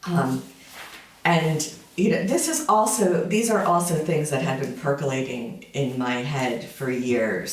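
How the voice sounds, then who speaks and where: A lecturer in their fifties giving an informal summer school talk, conversational and full of fillers, with wry asides. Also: mid-range voice. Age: 50s. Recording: roomy sound from a distant mic.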